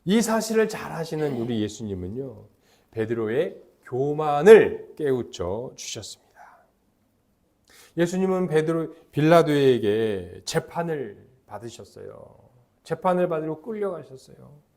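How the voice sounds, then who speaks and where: A middle-aged man preaching a sermon as pastor, emphatic and lively, leading the congregation in call-and-response chants. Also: fairly high pitch, a little slow, vocal fry.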